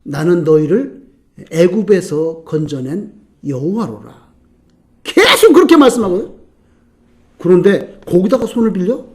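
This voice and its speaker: A middle-aged man preaching a sermon as pastor, with animated delivery that swings from soft asides to loud emphatic outbursts. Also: very high voice. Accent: Korean.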